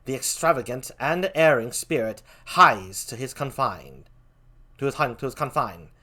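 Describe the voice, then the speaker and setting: Man reading as a grave, mid-pitched watchman. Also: expressive, normal speed, pushed and bright. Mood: grave, earnest. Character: grave night watchman in a stage tragedy. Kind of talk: theatrical Shakespearean reading.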